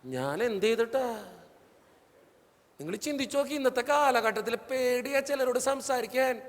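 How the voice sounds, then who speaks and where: A man's voice: very high voice, lively intonation, moderate pace. A Catholic priest, giving a humorous motivational talk to young people and acting out the people he quotes. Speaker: Catholic priest and youth counsellor. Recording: long hall reverb.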